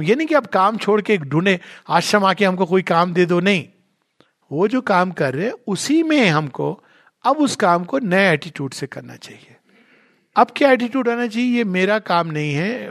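A man giving a spiritual talk, telling a story from his work as a doctor and switching between Hindi and English. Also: on the high side. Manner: storytelling, mixes in English phrases. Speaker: spiritual speaker.

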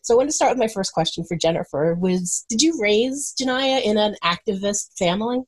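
A woman hosting an interview show, her voice hoarse and scratchy from a cold. She talks in an upbeat, eager way, pitched in an ordinary middle range. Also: expressive, fairly quick, no room sound. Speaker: podcast host. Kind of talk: conversational interview.

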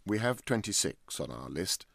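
A man voicing a calm, offhand young man who talks of dreadful things in a careless, deadpan way. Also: sits low, normal speed, creaky, dry recording, full character voice.

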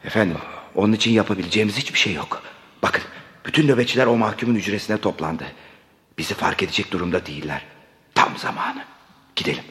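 An earnest former guard voiced by a man in an audio drama. He talks respectfully in a lowish voice, with a steady, sincere manner. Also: quick pace, lightly acted. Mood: urgent. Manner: deferential, earnest.

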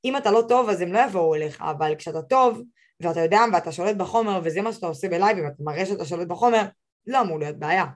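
Animated young woman giving eager advice. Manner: animated and emphatic, rising high when giving advice. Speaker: podcast guest, social media expert. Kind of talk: casual podcast conversation.

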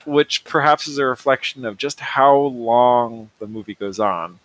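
A man guesting on a casual film podcast, hesitant and reflective as he works out his opinions. His voice sits in the middle range for a man. He fills his pauses with soft "um" and "uh" sounds. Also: medium pitch, rough recording. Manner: hesitant, with fillers and reflective asides. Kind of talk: casual chat.

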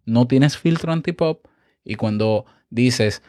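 Male podcast instructor, mid pitch, animated explainer, dead-dry close-mic sound. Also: takes it slowly, no room sound. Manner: animated, explanatory, checks in with the listener often. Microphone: close studio microphone with compressor.

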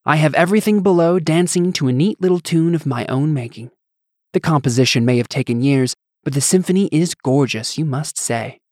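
A man's voice: on the high side, fairly quick, a little mellow, no room sound, studio quality, pitched above the performer's own voice, lightly acted. A man voicing a sultry, scheming goddess in an audiobook, with a coaxing, condescending, theatrical manner. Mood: smug. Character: sultry, scheming, languid goddess, vain wife. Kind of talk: audiobook character acting.

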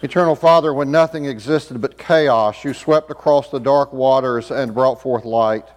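A male pastor reads a baptism liturgy in a measured, formal manner. His voice sits in a middle register. It rings with a long, cathedral-like reverb from a large church sanctuary. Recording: booming echo of a large church.

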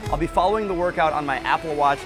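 Higher-pitched male swim coach explaining drills. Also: fast talker, music in the background. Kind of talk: instructional workout explanation to camera.

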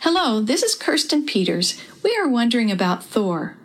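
Lady reading a gentle mom, soft and soothing. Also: on the high side, sing-song, moderate pace. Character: gentle, comforting mother.

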